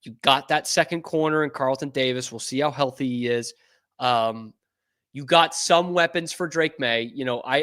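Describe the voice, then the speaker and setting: A man from New England hosting a sports show, talking casually and getting excitable and profane. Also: mid-range voice, clean tone.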